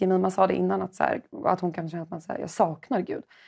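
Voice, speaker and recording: A woman talks very fast over a quiet background. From Sweden, Örebro. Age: 20s. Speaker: youth leader. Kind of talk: testimony. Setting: TV studio.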